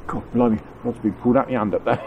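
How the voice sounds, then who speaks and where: The audio is narrow and tinny, carrying a mid-range male voice that races along with fairly even intonation. He sounds congested and nasal with a cold, casually rambling and chuckling as he films his own fishing outing on a riverbank, with faint wind in the background.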